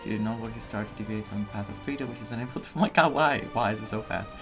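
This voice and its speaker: A man giving casual, animated, rambling reactions as he plays through a game. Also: on the low side, very fast. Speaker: gaming streamer. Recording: game music under the commentary. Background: game music.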